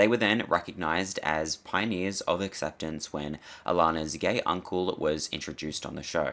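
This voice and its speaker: A man with an Australian accent speaks at a very deep, low pitch and a moderate pace, with ordinary pitch variation. The recording is very clean, and the background silent. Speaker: YouTube commentator. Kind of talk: casual talk to camera.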